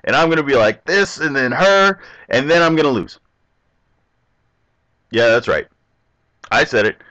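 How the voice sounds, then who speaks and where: A young man narrates his online card game from a home desk mic, chatty and self-talking. His pitch swings widely and stays lively. The recording sounds somewhat dull and lo-fi. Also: measured pace. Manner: chatty, animated, talks to himself and the opponent. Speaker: gameplay commentator. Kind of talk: casual game commentary.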